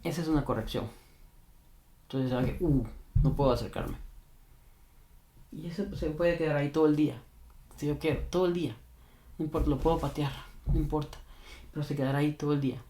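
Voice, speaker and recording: A man's voice: on the high side, steady tone, quick pace, pauses often, mellow. A man working as a dog trainer, earnestly explaining advice to a viewer and repeating his key points for emphasis. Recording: roomy echo.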